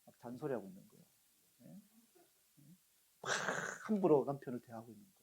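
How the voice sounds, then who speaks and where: Husky-voiced Korean pastor preaching. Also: male voice, medium pitch, sing-song, fast talker, mellow. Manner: storytelling with acted quotes, asks the congregation questions. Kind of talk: sermon.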